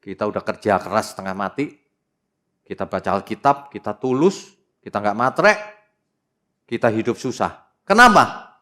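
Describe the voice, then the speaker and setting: Animated preaching man, lively pitch. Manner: animated, teasing, mocking asides to the congregation; reads scripture aloud slowly and dramatically. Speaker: pastor. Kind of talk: sermon.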